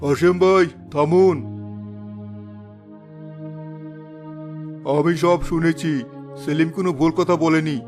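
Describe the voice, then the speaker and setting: A man plays a calm, wise village imam in a cartoon story, measured and preaching. His voice sits slightly high for a man. Faint music plays behind. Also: lightly acted. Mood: firm. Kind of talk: cartoon voice acting. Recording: music underneath.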